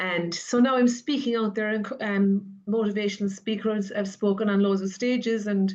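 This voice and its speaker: A woman with an Irish accent, medium pitch, fairly even intonation, moderate pace and hardly any pauses. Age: 60s. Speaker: choral conductor and music teacher. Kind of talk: panel discussion. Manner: halting, many repetitions and restarts.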